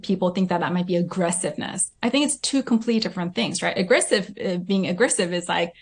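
Reflective woman coach, lowish voice. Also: fast talker, slightly rough. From Southern California. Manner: reflective, frequent "right?" tags and fillers. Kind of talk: interview answers.

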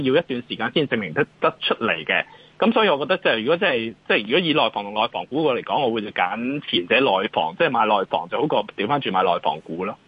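A man's voice: medium pitch, breathy edge, no echo, dull audio. A man with a Hong Kong Cantonese accent giving off-the-cuff market commentary as an analyst, in a hesitant way that circles back over phrases.

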